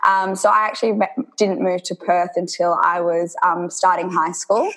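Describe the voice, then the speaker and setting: A woman's voice: lowish voice, level tone, moderate pace, a bit bright, poor audio. A young woman from Indonesia, a health coach, talking casually in an interview and filling her speech with lots of ums and "you know".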